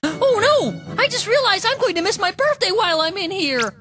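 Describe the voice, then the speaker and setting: A woman playing an earnest, excitable teenage boy hero in an English anime dub. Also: extremely high pitch, normal speed, over music. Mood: dismayed.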